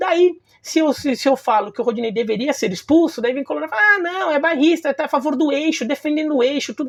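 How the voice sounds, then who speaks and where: Delivered at a fairly quick pace in a São Paulo accent, the speech has hardly any pauses. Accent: São Paulo accent, noticeable. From Brazil, São Paulo state. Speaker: football commentator, sports journalist. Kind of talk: casual vlog commentary. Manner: halting, many repetitions and fillers.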